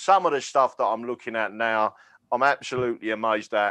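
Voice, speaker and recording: Recorded dry and close with no echo against a quiet background, a man speaks with ordinary pitch variation. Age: 50s. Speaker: livestream panel host. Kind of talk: casual chat.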